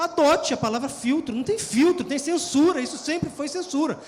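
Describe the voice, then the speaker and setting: A man with a southern Brazilian accent at a fairly quick pace, lively intonation, audible room echo and noticeable background noise. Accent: southern Brazilian (gaúcho). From Rio de Janeiro, Brazil. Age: 50s. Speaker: author and journalist. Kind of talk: panel discussion. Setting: book fair stage with audience.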